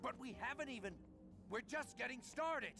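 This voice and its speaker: A brash, foul-mouthed young male assassin, talks with a cocky swagger. His voice sits high and gravelly, leaping around in pitch over game music. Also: lively intonation, normal speed, full character voice. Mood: indignant. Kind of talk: video game voice acting.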